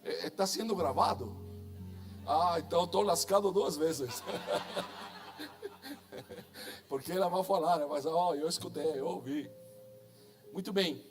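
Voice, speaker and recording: A man's voice: a little high, lively intonation, a little slow, long pauses, soft background music. A middle-aged man from Chile with a strong Chilean Spanish accent, preaching to a church congregation in a chatty, self-joking manner that keeps asking "não é?" and "amém?". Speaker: guest preacher. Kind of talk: sermon at a church conference. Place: church stage before a congregation.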